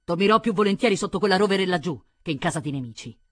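A woman reading the part of a cold, scheming nobleman in a commanding, bitter manner, with a husky voice. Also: low-pitched, lively intonation, brisk. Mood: imperious. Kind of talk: audiobook reading.

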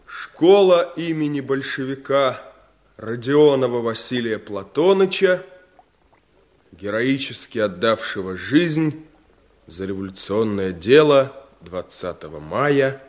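An actor playing a cautious, thoughtful village comrade who speaks in a measured, deliberate way in a radio play. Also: male voice, mid-range voice, expressive.

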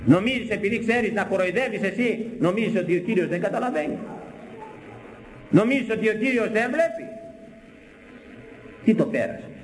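A man's voice: high-pitched, animated, pauses often, roomy sound, low-quality recording. An older man from Greece, a priest preaching a sermon, who repeats his points and keeps asking the listeners questions. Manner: repetitive, emphatic preaching with rhetorical questions.

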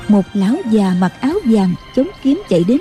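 A woman narrating a martial-arts novel as an audiobook in a steady storytelling voice. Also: medium pitch, brisk. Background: faint music.

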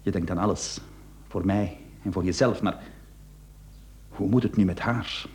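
An actor playing a meek, guilt-ridden, henpecked husband in a radio play, hesitant and subdued. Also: male voice, sits low, a little slow, darkish tone, a little hiss or hum. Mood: subdued, helpless. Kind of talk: Dutch-language radio play acting.

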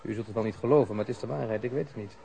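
Polite, officious police official, faint noise. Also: male voice, lowish voice, rapid-fire, vocal fry, mellow. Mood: guarded, officious. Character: courteous, evasive Hungarian police official, matter-of-fact. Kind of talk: Dutch radio play acting.

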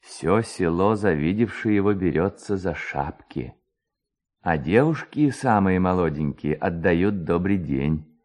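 Male narrator, lower register, highly animated and theatrical delivery for classic storytelling. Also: measured pace. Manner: expressive, dramatic storytelling. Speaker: narrator, literary reader.

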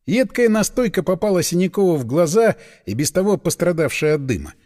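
A male audiobook narrator with a fairly high, very lively voice that rises and falls dramatically. His reading sits in a long, lingering hall reverb. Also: brisk.

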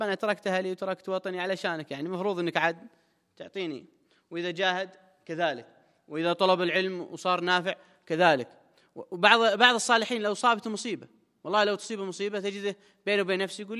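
A sheikh comments on a religious text with quick, emphatic colloquial speech. His voice sits high and bright. A long hall reverb trails his words.

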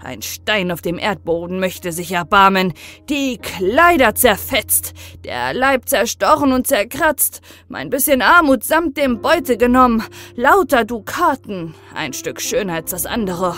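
A woman voicing a loud, wailing old peddler. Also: mid-range voice, moderate pace, faint music behind, natural voice. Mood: loud lament. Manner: loud, lamenting outbursts. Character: wailing, quarrelsome old peddler man with a goat beard. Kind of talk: audiobook fairy tale.

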